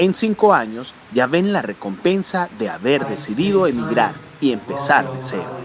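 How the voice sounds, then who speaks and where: Over noticeable background noise, a man with a fairly high voice speaks at a moderate pace, his pitch swinging very widely. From Venezuela. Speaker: reporter narrator. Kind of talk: scripted narration. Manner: formal.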